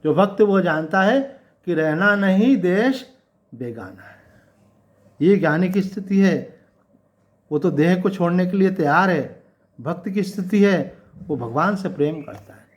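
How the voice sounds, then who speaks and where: Male swami, fairly high voice, chatty scripture sermon, asks the room questions, drawls out verses. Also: expressive, highs cut off. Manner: conversational, asks the listeners rhetorical questions; recites couplets slowly and drawn out. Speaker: swami giving a Gita discourse. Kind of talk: devotional sermon.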